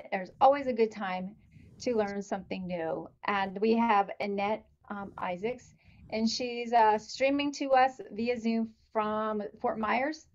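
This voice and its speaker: A woman host introducing a guest speaker, speaking with hesitant restarts. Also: mid-range voice. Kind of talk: casual introduction. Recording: dull lo-fi video call audio.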